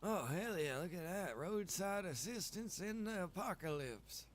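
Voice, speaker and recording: A man's voice: high voice, expressive, unhurried, a little hiss or hum. A man in casual roleplay chat, talking in a folksy, agreeable and encouraging way. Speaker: player in a zombie survival roleplay server.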